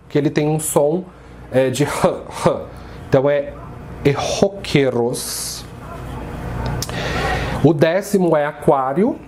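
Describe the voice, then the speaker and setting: A man from Brazil teaching an introductory lesson, slowly spelling out words and drilling their pronunciation. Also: on the high side, warm tone, slight background noise. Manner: slow, careful pronunciation drills. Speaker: astrology teacher.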